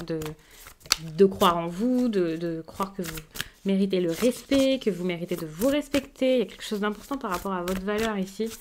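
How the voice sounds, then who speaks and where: Gentle woman reading tarot cards. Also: mid-range voice, background noise. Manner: gentle, reassuring, with frequent hesitations. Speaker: tarot card reader. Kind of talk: casual tarot reading to camera.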